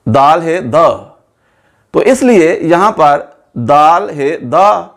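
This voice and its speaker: A man with a Pakistani Urdu accent teaching a spelling lesson, spelling words out letter by letter and drawing out each example word. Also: on the high side. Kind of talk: slow, methodical spoken lesson.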